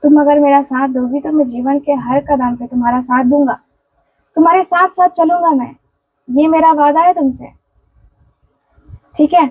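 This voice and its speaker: A woman with a high voice speaks as a tarot reader, relaying a love message in the first person. She talks in an earnest, pleading way, circling back over the same phrases with casual fillers. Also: steady tone, moderate pace, pauses often, a little mellow, low-quality recording. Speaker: tarot and candle wax reader.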